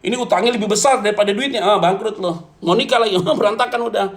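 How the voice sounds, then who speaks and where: A man preaching to a congregation as pastor, animated and jokey, often turning to address his listeners directly. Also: sits high, fast talker. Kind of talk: lively humorous sermon.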